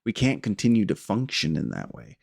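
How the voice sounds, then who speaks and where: A man giving an earnest, reflective spiritual teaching in an informal way, pausing often with fillers. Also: on the low side, big pitch swings, vocal fry, darkish tone, slightly rough, dry recording, clean studio sound.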